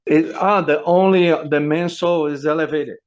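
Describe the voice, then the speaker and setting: Halting Spanish-accented man interpreting. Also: fairly high pitch, fairly even intonation, smooth. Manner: halting, searching for words, many fillers. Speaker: volunteer interpreter. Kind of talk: live consecutive interpreting on a video call. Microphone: video call. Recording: lo-fi video call audio.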